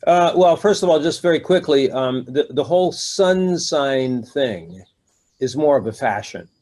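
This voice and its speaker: An older man answering interview questions in an easy conversational way. He often stops, repeats words and fills pauses with "uh" and "um" as he works through his thoughts. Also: mid-range voice, animated, darkish tone. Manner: rambling, many fillers and restarts. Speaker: astrologer, interview guest.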